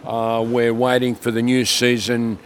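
An older man with a croaky voice from a lingering cough, talking through his market produce in a chatty, plainspoken way. His pitch sits in the middle of the male range. Faint street noise hums behind him. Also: monotone, a little slow. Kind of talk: casual radio chat.

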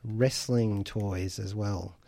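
A man's voice: fairly low pitch, fairly even intonation, slow, vocal fry, dark tone. A man with an Australian accent hosting a casual radio show from a studio, jokey and enthusiastic, laughing often. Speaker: radio host.

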